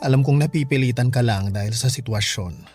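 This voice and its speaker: A man's voice: medium pitch, lively intonation, moderate pace, a little mellow, close to an everyday voice. A man acting an emotional motherly Filipino gay man. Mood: softening, reproachful. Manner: scolding and pleading, emotional. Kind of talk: Filipino radio drama acting. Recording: music bed behind the voice.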